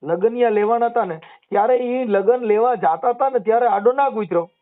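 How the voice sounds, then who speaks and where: A social media personality taking calls, a man whose voice sits high for a man, explains old verses and history at length and occasionally chants couplets slowly and drawn out. The audio is thin and tinny, like a recorded phone call.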